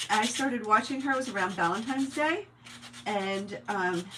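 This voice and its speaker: Very wide pitch swings mark this voice with an American accent, heard over noticeable background noise. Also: woman. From New Jersey, Long Island, Indiana (mixed). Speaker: craft livestreamer. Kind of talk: casual livestream chat while crafting. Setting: live stream.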